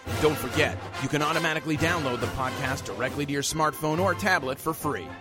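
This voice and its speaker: A man reading a scripted podcast outro in an even, promotional manner. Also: fairly high pitch, quick pace. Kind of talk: scripted announcement. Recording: voice over loud music bed.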